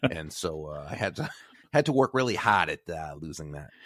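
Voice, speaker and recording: On a very clean recording with a silent background, a man with an American accent speaks at a very deep, low pitch and a fairly quick pace, his intonation lively and his loudness swinging widely. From outside Boston, Massachusetts. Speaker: sportscaster.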